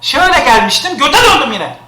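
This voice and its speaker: A man's voice: very high voice, big pitch swings, a little fast, bright, forceful tone, roomy sound. A man streaming live, complaining in an exasperated way and repeating himself.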